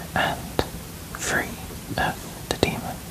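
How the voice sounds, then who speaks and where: Noticeable background noise can be heard. Beneath it, a man whispers. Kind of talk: ASMR scary story telling. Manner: slow, calm storytelling.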